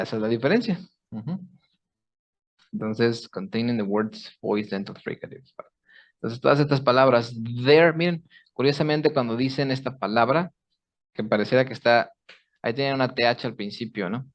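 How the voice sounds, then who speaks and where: A man's voice: medium pitch, highs cut off. Patient male teacher on a video call. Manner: patient, explains step by step, often checks in with students. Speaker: English teacher. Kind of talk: online class teaching pronunciation.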